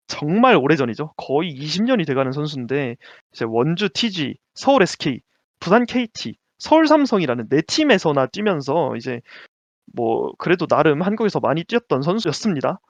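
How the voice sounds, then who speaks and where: A man co-hosting a casual basketball talk show, lively and quick to laugh, sometimes stumbling over names. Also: on the high side, no echo, highs cut off. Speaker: podcast co-host.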